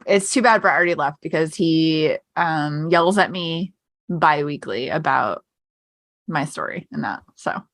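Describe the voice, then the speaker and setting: A woman's voice: low-pitched, a little slow, fairly bright tone, no room sound, clean studio sound. A woman hosting a podcast, playful and teasing in casual chat. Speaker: podcast host.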